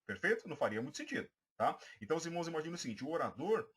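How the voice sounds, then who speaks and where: In a recorded class for church members, a pastor with a Brazilian Portuguese accent teaches about preaching, calling his listeners brothers. He's hesitant, full of fillers and restarts, yet his fairly high, fairly bright voice is very animated and very fast. A little hiss or hum is audible.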